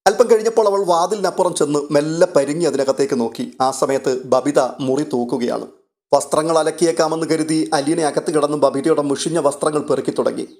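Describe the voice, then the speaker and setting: A man narrating a story recap of a TV serial in a steady, dramatic storytelling way. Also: fairly high pitch, fairly quick.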